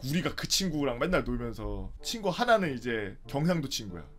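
Animated male streamer telling funny stories. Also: fairly quick. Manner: animated, acts out friends' lines with sudden loud high bursts. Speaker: streamer storyteller. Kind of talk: casual funny storytelling.

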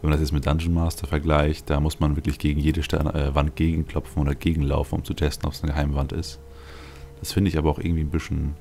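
Man, bottom-of-the-range bass voice, fry-laden, casual let's play commentary, wry thinking aloud. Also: dark tone. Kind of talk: casual video game commentary. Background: game music.

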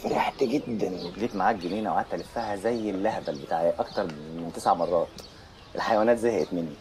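An actor playing a cocky, wisecracking tough charmer in a comic film, teasing with an Egyptian accent. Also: male voice, low-pitched, fast talker, background noise, lightly acted. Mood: reflective, joking. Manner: teasing, sardonic. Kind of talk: comic screen acting.

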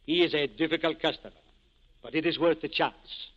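An actor playing a self-important, courtly black-market boss with formal phrasing, in 1940s radio acting style. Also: male voice, on the high side, fairly quick, a bit bright, lightly acted. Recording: dull 1940s radio broadcast recording.

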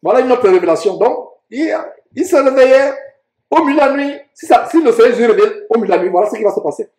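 A man's voice: very high-pitched, animated, fast, darkish tone, reverberant. A man preaching a sermon, reading Bible verses aloud and explaining them with emphatic rhetorical questions.

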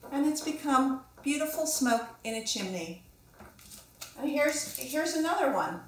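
A woman in her fifties with a fairly high voice speaks casually to young children as an author and illustrator giving a lesson. She thinks out loud and encourages them with questions. The room around her is clearly echoey. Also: expressive, unhurried, a little hiss or hum. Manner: encouraging, musing aloud with questions to the viewer. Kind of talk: casual instructional talk to children. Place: small indoor room with echo.

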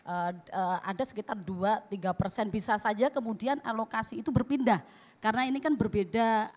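Woman asking haltingly. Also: mid-range voice. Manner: halting, searches for words. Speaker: panelist.

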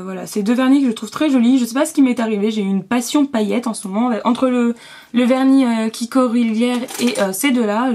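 A young woman chatting casually through a beauty haul, with lots of fillers and quick asides. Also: on the high side, a little mellow. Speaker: beauty vlogger.

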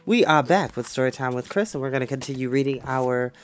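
A man's voice: mid-range voice, fast, dull audio, faint music behind. A man in his twenties hosting a storytime, reading a storybook expressively with casual asides. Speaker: storytime host and reader. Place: small home room, indoors.

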